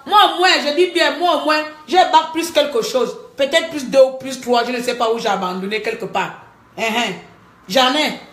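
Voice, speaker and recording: A woman talking to her viewers in a live-stream monologue, animated, scolding and joking by turns. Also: high voice, normal speed. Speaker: livestreamer. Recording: echoey room.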